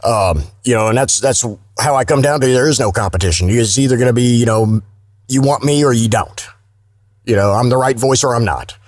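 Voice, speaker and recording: A man's voice: medium pitch, brisk, clean studio sound. Male podcast guest, middle register, frank and opinionated, conversational, no room echo. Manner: blunt, opinionated. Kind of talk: casual interview chat.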